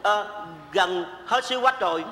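An actor playing a scolding, teasing old man in a stage comedy sketch, with deadpan jokes. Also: high-pitched, moderate pace, heavy background noise, close to an everyday voice. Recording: echoey stage with long reverb.

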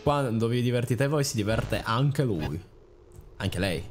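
A man's voice: medium pitch, expressive, a little slow, over loud music. A young man giving casual, rambling, joking let's play commentary with theatrical reactions. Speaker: gaming channel host.

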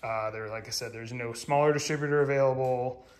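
A man's voice: mid-range voice, steady tone, brisk. A man narrating his car build in a casual work vlog, matter-of-fact and full of ums and uhs, filmed on a phone in his garage. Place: home garage.

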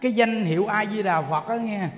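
A man's voice: sits high, brisk. Southern Vietnamese male preacher, emphatic and questioning, long hall reverb around a raised voice. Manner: emphatic, with rhetorical questions, drops to soft chanting. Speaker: Buddhist teacher. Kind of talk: sermon. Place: temple hall.

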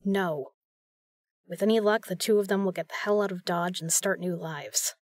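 A woman's voice: fairly low pitch, steady tone, normal speed, dry recording, clean studio sound, natural voice. A woman playing a tough, protective secret agent in an audio drama, speaking in a blunt, matter-of-fact way. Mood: defiant.

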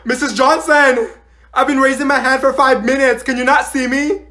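A woman acts out a mouthy high school girl in a classroom comedy skit. She is grumpy and sassy, with a blunt, complaining way of talking. Her delivery is that of a student who cannot be bothered. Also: moderate pace, close to an everyday voice. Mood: annoyed, indignant.

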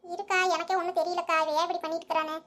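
A woman's voice: very high-pitched, flat delivery, rapid-fire, fairly bright tone. A woman voicing chatty village women in a cartoon, fussing, gossiping and scolding. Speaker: cartoon character.

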